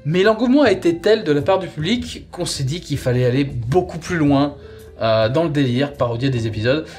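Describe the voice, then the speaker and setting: A man's voice: fairly high pitch, lively intonation, normal speed, darkish tone, faint music behind. A man hosting a review show, chatting casually as he presents and gives his opinion. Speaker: host reviewing audio sagas.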